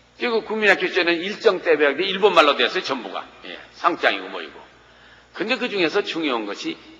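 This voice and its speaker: Talking very fast in a high voice, a man uses lively intonation and big swings in loudness over noticeable background noise. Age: 60s. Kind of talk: testimony.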